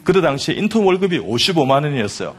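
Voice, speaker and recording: A man's voice: a little high, big pitch swings, rapid-fire, breathy edge. Fervent middle-aged man preaching a testimony. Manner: emphatic, fervent, addresses listeners directly. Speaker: doctor giving a Christian testimony. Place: broadcast studio with audience.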